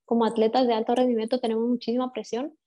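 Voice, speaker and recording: A young woman footballer from Guatemala with a Guatemalan accent, giving measured, reflective interview answers with frequent restarts. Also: fairly high pitch, level tone, dark tone. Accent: Guatemalan Spanish. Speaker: professional footballer, interview guest.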